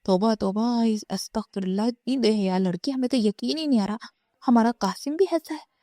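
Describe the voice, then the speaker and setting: A woman doing a shrill, gossiping auntie. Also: mellow, no room sound, clean studio sound, natural voice. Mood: scandalized. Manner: shrill, dramatic exclamations. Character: gossipy scandalized middle-aged aunt.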